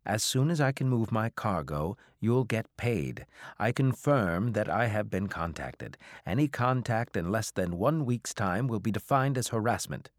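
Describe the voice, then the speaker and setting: A man's voice: fairly low pitch, animated, a little slow, dry recording, studio quality, pitched above the performer's own voice. A man voicing a roguish alien trader captain, cheeky and breezy, in an audiobook. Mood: exasperated. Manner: glib, breezy.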